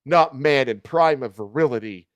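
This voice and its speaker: A man's voice: medium pitch, normal speed, no room sound, close to an everyday voice. A man voicing a swaggering, smug and seductive heroic cartoon cat in a storybook reading.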